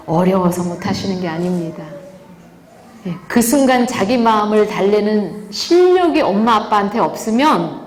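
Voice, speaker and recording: A woman teaches a parenting class in a lively way, addressing her listeners directly and frequently asking them rhetorical questions. She acts out the quotes she shares in vivid voices, speaking at a medium pitch. The hall is echoey, with faint background noise.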